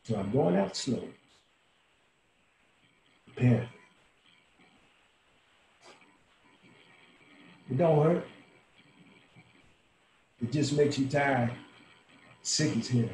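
A man's voice: medium pitch, warm tone. An actor in his sixties playing a dying, world-weary old bar owner in a folksy, salty, intimate dramatic monologue. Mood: weary, resigned. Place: small room at home, indoors. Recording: roomy home webcam audio, faint hiss.

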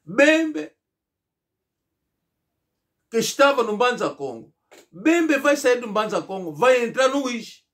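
A middle-aged man from Angola speaks to a fixed camera in a small indoor room, his voice pitched high. He delivers a rhetorical political monologue, stressing each point and mocking the replies he imagines. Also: sing-song, slow, pauses often, fairly bright tone. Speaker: political commentator. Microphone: fixed camera, seated at medium distance.

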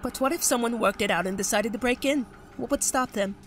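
A woman's voice: on the high side, brisk, a little hiss or hum, natural voice. A woman voicing a clever, teasing younger brother, a boy in an audio drama, with a wry, questioning manner.

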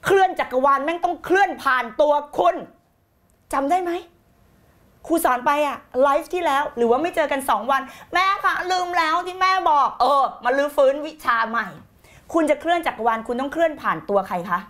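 A woman with a high, bright voice coaches her live-stream audience with fiery energy. She hammers her points home by repeating them and tosses in the odd English word and blunt slang. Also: fairly quick. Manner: energetic and emphatic, repeats key phrases, urges viewers to shout back. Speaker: law of attraction coach. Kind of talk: live-streamed motivational teaching.

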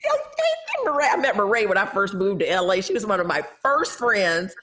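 A middle-aged woman hosting a casual video call chat from home, lively and exclamatory, calling out to guests directly. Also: mid-range voice, normal speed. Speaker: host. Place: home room with bookshelves.

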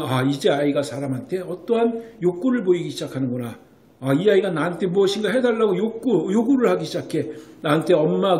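High-voiced man lecturing in an echoey room. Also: dark tone. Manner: emphatic, keeps asking rhetorical checks like "right?". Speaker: Korean medicine doctor explaining child development. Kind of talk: explanatory talk to parents.

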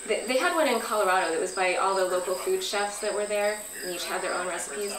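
Standing at a flip chart under an outdoor pavilion, a woman in her thirties leads a workshop at a quick pace, with a crowd audible in the background. Her mid-range voice stays friendly as she quizzes the group along the way. The sound comes from a far-off camera: roomy, distant and noisy, with crickets and insects chirping.

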